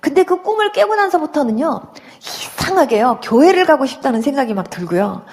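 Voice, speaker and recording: A woman's voice: high voice, big pitch swings, a little fast, a little mellow. A middle-aged woman giving a personal Christian conversion testimony, telling her story vividly and with sound words.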